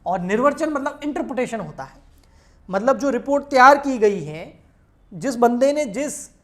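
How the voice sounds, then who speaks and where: A woman's voice: a little high, expressive, normal speed. A woman teaching an exam-prep accountancy lecture. She explains patiently, keeps checking that students follow, and addresses them in a familiar way.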